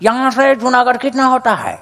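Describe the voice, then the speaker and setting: A man's voice: extremely high pitch, animated, brisk, creaky, a bit bright, in a large hall, full character voice. A man voicing a polite foreign tourist asking directions in stiff, broken phrasing in a stand-up joke.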